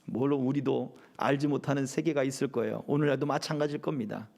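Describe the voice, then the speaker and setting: A man's voice: medium pitch, steady tone, fast talker, gravelly, darkish tone. A middle-aged male pastor preaching a sermon at a church service, often asking the congregation rhetorical questions.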